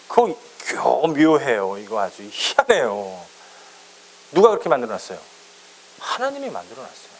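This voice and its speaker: A male pastor giving a lively, playful sermon and teasing his listeners by name. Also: sits high.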